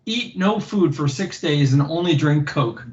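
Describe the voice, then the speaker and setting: A man chatting casually about philosophy in a talkative, teasing way, relaxed after a drink, heard on muffled, roomy lo-fi audio. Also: fairly high pitch, a little slow. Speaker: discussion partner.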